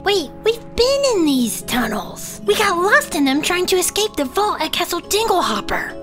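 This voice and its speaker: A woman playing an excitable, eager adventurer in a fantasy role-play game. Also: extremely high pitch, moderate pace, faint music behind, full character voice. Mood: excited, nervous. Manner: eager, animated. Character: excitable female member of a fantasy party.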